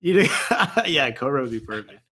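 A man hosting a stream show, upbeat and enthusiastic, firing off quick affirmations while interviewing a guest. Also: mid-range voice, animated, a bit bright.

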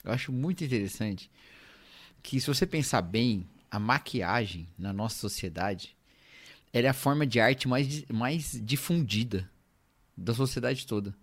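A man's voice: mid-range voice, lively intonation, moderate pace. A man from Brazil co-hosting a podcast, musing over ideas in casual slangy chat. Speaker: podcast co-host.

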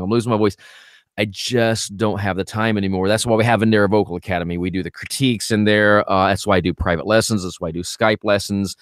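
A man's voice: no room sound, studio quality. A man working as a vocal coach, chatting casually and acting out his students' complaints. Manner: animated, acts out students' complaints in a higher voice. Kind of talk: casual podcast chat.

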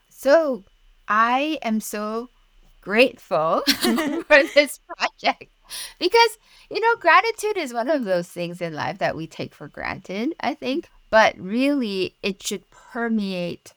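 A woman's voice: medium pitch, gravelly, bright, forceful tone, dry recording. A woman in her forties, originally from Malaysia with Mandarin as her first language, speaking earnestly as a podcast guest. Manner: earnest and reflective, with light laughs. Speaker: podcast guest, Bible study writer. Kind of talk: casual interview conversation.

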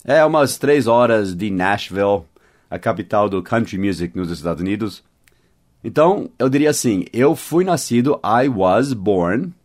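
A man's voice: mid-range voice, a little mellow. Man teaching English in Portuguese. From United States. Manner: patient, slow spelling and repetition. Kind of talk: online English lesson in Portuguese.

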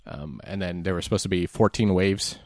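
A man's voice: low-pitched, brisk, no room sound, studio quality. A man losing his voice a little, chatting casually and rambling a bit as a podcast co-host. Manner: rambling, laid-back, lots of ums. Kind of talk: casual chat recapping a race.

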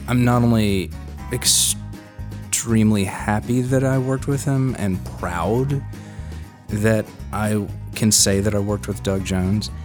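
A man with a fairly low voice speaks earnestly and at a measured pace. Clear guitar music plays beneath him, and the setting is a relaxed podcast chat. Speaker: podcast co-host. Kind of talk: casual chat.

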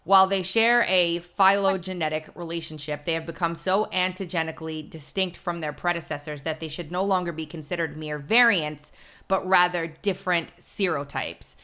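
Bright-voiced, lowish woman co-hosting a talk show. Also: moderate pace. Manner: informal, explanatory, laughs easily. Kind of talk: casual live commentary, reading aloud.

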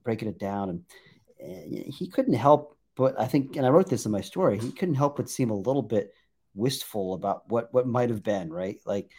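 A man's voice: fairly low pitch, lively intonation, normal speed, dark tone, husky. A man who writes about baseball telling an anecdote on a podcast, rambling with frequent restarts.

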